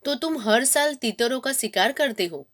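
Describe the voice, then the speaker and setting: A woman's voice: fairly high pitch, lively intonation, moderate pace, a bit bright. A stern, commanding army colonel, read out by a woman teacher. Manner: questioning in a gruff, imperious tone.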